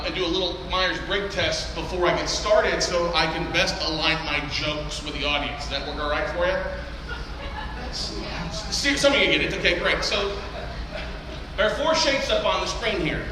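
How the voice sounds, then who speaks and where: Loud joking man on a conference stage. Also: high voice, moderate pace. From Texas. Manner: loud, joking and brash, swears casually. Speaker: seminar speaker. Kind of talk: live seminar talk to an audience. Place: large conference hall. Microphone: handheld or stage mic through PA. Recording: echoey hall, noisy room.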